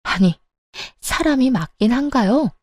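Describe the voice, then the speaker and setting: A woman narrates a dramatic first-person family story with indignant emphasis. Her voice is mellow and warm. The recording is dry and close. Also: a little high, animated, a little slow, no room sound.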